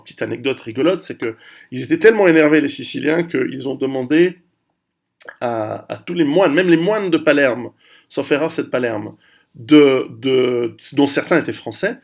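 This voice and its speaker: A man with a gravelly, creaky voice talks through history in a loose, rambling way, restarting phrases and filling pauses as he goes. His pitch sits in the middle range for a man. He sounds like a casual video host speaking straight to his audience. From Italian heritage. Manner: rambling, many restarts and fillers. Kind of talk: casual history talk to camera.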